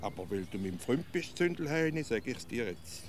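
Male actor for a stubborn Swiss nitpicker in a kids' radio play, animated pitch, faint background noise. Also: normal speed, lightly acted. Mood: quibbling. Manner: argumentative, splitting hairs, playfully provocative. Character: stubborn, pedantic, nitpicking grown man.

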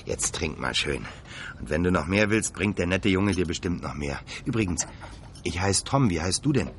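Brief: gentle, good-natured Santa substitute, lowish, expressive. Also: male voice, moderate pace, slight background noise. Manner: gentle, chatty, talks to his reindeer. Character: kindly young man standing in for Santa.

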